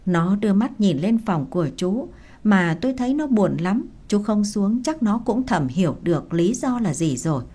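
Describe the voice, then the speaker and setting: A woman narrating a first-person audio story, calm and even. Her tone is mellow and soft, at a middle pitch for a woman. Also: moderate pace, slightly rough.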